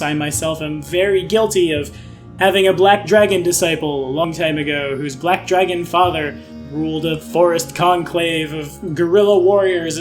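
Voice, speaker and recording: A young man hosting an online channel, giving a casual overview of tabletop game lore with dry, sarcastic asides. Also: a little high. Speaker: YouTube host explaining game lore.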